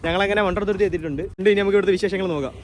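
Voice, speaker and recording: Fast-talking Kerala man mixing Malayalam and English. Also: high voice. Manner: mixes English words into Malayalam. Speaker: vlogger. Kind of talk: casual vlog chat to camera and friends. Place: outdoors at a waterside tourist spot. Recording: outdoor crowd and vehicle noise.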